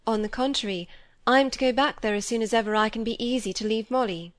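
A woman voicing a composed, tactful young woman who answers in cool, measured replies. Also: on the high side, dry recording, clean studio sound, close to an everyday voice.

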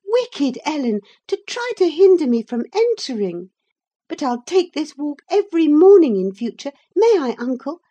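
A woman doing an eager, excited teenage girl. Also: high voice, a little slow, muffled recording, pitched above the performer's own voice, heavily acted. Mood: playful. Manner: excited, pleading. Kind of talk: audiobook character voice.

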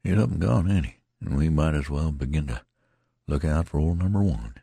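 A wounded rustic soldier, as a male reader puts him on, musing in a folksy, homespun drawl. The voice is lifted from a very deep, gravelly base and stays slightly husky. It sounds close and dry. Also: expressive, a little fast, dark tone, no room sound, exaggerated voice.

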